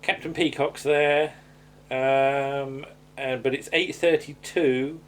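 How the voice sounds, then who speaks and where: A man's voice: medium pitch, fairly even intonation, takes it slowly. A man co-hosting a casual recap chat, talking in a hesitant, conversational way and seeking agreement with tag questions. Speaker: podcast co-host.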